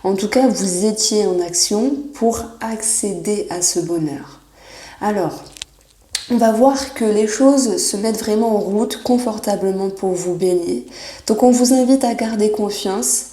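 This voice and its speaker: A woman giving a monthly horoscope tarot reading, reassuring and often pausing with fillers as she searches for words. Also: medium pitch, mellow. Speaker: tarot reader. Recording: echoey room.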